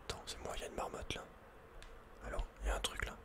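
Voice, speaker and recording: A man whispering casual, slangy, playful game commentary in a breathy ASMR style, close to the microphone. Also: quick pace. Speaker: ASMR video game player.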